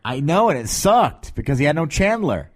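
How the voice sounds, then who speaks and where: A man hosting a podcast in casual, joking banter, talking in a meandering, halting way on a close mic. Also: on the high side, big pitch swings, no echo. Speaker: podcast host.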